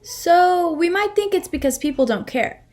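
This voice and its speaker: A woman's voice: very high-pitched, expressive, normal speed, a little mellow. A woman performing scripted readers theater in an earnest, firm, explanatory manner as a fair-minded advocate. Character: fair-minded woman defending a voter's rights.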